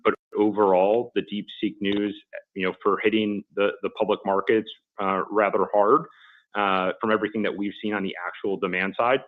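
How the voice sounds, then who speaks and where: A man speaking as a company executive, giving measured, businesslike answers on an earnings call. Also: lowish voice, little pitch movement. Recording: muffled phone-like conference line.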